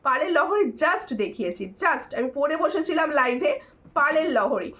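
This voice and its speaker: A hoarse woman runs a live-stream jewelry sale in a high, lively voice. She talks chattily and repeats her pitch over and over, thanking viewers by name and urging them to take screenshots. Her delivery swings up and down as she shows each piece. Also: normal speed.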